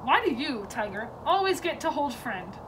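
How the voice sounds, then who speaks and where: A woman's voice: high-pitched, very animated, normal speed. A woman voicing a grumpy gray rhinoceros in a children's storybook, grousing as it talks. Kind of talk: children's storybook read-aloud. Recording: distant mic with clear background noise.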